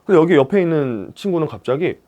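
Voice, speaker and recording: Animated man telling his story. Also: fairly high pitch, fast talker. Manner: animated storytelling, acts out dialogue. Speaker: stage actor giving a career talk. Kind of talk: career talk to young people.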